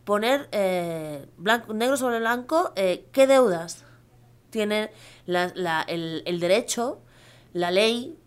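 A woman's voice: mid-range voice, lively intonation, slow, clean tone. A middle-aged woman from Spain with a Castilian Spanish accent, speaking earnestly as a guest in a live radio interview, often adding tag questions and fillers. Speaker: guest lawyer and activist.

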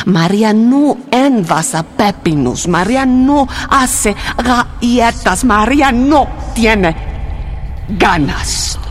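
A lonely, sorrowful Mennonite woman in a radio play. Her low, gravelly voice moves extremely slowly, in halting broken phrases. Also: slight background noise. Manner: very slow, halting, third-person speech in short fragments. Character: lonely, grieving Mennonite woman abandoned in Mexico. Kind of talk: radio drama monologue in broken, telegraphic sentences.

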